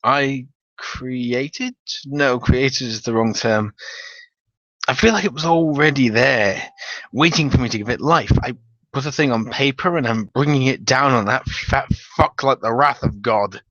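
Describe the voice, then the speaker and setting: A man's voice: mid-range voice, expressive, measured pace, fairly bright tone. Man plays exhausted, vengeful tabletop gamer in a story reading, grave and intense, slightly dull recording. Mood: weary, obsessed. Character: sleepless, intense male gamer, grimly obsessed with revenge. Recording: dull, roomy home recording.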